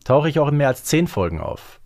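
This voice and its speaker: A man's voice: on the high side, big pitch swings, brisk, darkish tone. A man from the Ruhr area co-hosting a podcast, chatting casually and playing a guessing game. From Ruhr area, Germany. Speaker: podcast co-host. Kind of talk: casual chat, quiz game banter.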